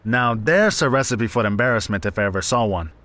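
A man's voice: fairly low pitch, expressive, a little fast, fairly bright tone. A man playing a wry, chatty Latino support group member who narrates a comedic audio drama like a storyteller. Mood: wry, amused.

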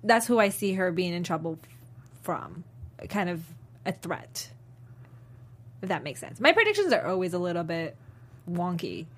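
A woman's voice: fairly low pitch, big pitch swings, normal speed, pauses often. A woman from Colombia co-hosting a TV review show, sharing entertainment news in an upbeat, gossipy way. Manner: upbeat gossipy delivery, laughs often. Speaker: podcast co-host. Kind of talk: casual TV review chat.

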